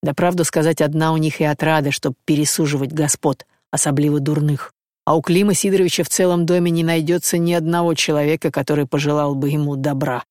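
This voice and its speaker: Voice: medium pitch, steady tone, fast talker, darkish tone, dry recording, studio quality, close to an everyday voice. A reader voicing a humble middle-aged male gypsy chieftain in an audiobook, speaking deferentially in a folksy, homely way.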